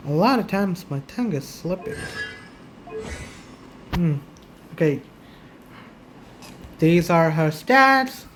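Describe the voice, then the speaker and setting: Slow, halting casual gamer commentary. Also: mid-range voice, lively intonation, noisy background. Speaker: gaming YouTuber. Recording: faint game music behind.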